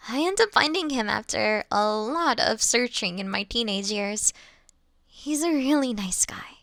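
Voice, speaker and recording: A kindly, undead vampire lady acted out by a woman speaks in a high voice at a slow pace. She is soothing and courteous with a teasing streak, as in an intimate roleplay audio, recorded close and dry. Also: creaky, fairly bright tone, no echo, exaggerated voice. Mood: wistful, reassuring. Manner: soothing, polite, teasing, unhurried. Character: kind, playful female vampire, gently reassuring, long undead.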